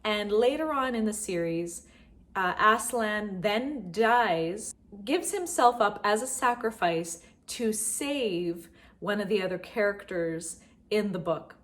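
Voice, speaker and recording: A woman's voice: mid-range voice, lively intonation, slow pace, a bit bright. A middle-aged woman hosting a homeschool vlog, talking casually and directly to her viewers. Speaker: homeschool vlogger and channel host. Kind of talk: casual vlog talk to viewers about books.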